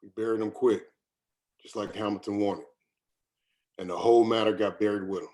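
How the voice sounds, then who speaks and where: Man playing a weary, bitter, low-voiced doctor. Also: fairly even intonation, a little fast, darkish tone, lightly acted. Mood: evasive. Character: weary, defensive, drink-worn company doctor, bitter and guilty. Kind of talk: screenplay table read.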